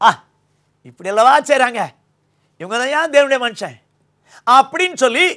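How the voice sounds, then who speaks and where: An older man with a Tamil accent preaching a sermon from a small indoor studio on a lapel mic, swinging between loud emphasis and low quiet lines. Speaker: pastor.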